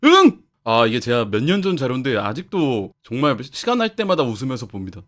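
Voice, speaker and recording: Guy hosting a football channel, talks fast and casual, slangy, pitch bouncing around. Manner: animated, slangy, quick talk. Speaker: football YouTuber host. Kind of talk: casual commentary.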